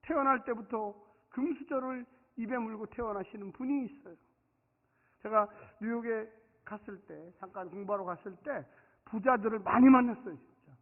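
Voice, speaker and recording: A middle-aged man from South Korea with a Daejeon-region accent, preaching a sermon as pastor, telling stories dramatically and swinging from quiet to shouting. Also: sits high, moderate pace. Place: church sanctuary. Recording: tinny, phone-like sound with long hall reverb.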